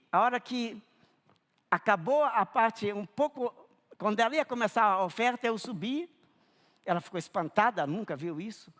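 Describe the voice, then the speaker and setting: A man's voice: high voice, a bit bright. A middle-aged Brazilian man with a Brazilian Portuguese accent, preaching a fervent sermon that mixes in personal testimony. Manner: earnest, fervent storytelling with rising emphasis. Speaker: pastor. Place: church sanctuary. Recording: reverberant church hall.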